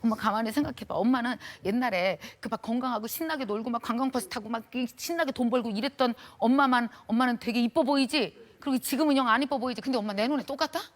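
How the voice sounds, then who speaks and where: A middle-aged woman lecturer telling a personal story to an audience in a lively, heartfelt, colloquial way. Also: on the high side, fast talker, hardly any pauses.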